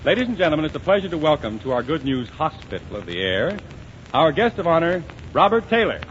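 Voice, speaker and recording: A man hosts a 1930s radio comedy show with brisk, wisecracking emcee patter. His talk is quick and slightly high, with a lot of rise and fall. The old broadcast sounds dull and carries loud hiss. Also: sing-song. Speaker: host.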